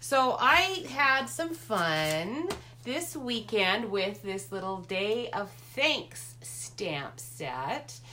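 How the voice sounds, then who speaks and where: A woman's medium-pitched voice at a very slow pace with very wide pitch swings, audible room echo and noticeable background noise. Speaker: card-making crafter. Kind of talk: live stream craft demo. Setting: home office. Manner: halting, many fillers.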